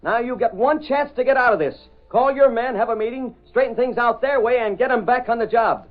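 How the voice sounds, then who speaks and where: An actor playing a brash, fast-talking young newspaper reporter in a 1930s radio drama. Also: male voice, extremely high pitch. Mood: aggressive. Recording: tinny old radio transcription.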